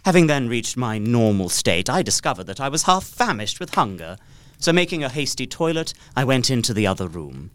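A man's voice: mid-range voice, big pitch swings, a little fast, fairly bright tone, no echo. An actor playing an earnest young solicitor, narrating his journey formally in a dramatised Gothic story. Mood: composed, relieved. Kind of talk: dramatic first-person literary narration.

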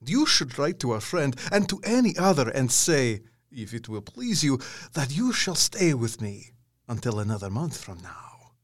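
An actor playing a courtly, menacing vampire count in an audio drama, formal and imperious. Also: male voice, mid-range voice, sing-song, normal speed. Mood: politely insistent. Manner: formal, imperious, over-polite.

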